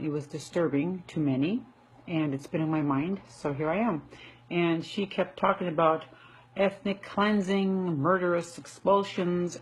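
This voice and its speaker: An American woman giving an unscripted opinion monologue in an emphatic, indignant, argumentative manner, with a husky voice. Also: low-pitched, poor audio. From United States. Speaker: online video commentator.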